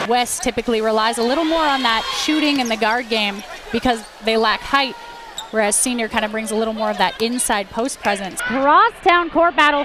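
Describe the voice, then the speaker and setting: A woman at a fairly high pitch with ordinary pitch variation and a fairly quick pace, against noticeable background noise. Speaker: sports reporter and anchor. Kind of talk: live sports play-by-play commentary.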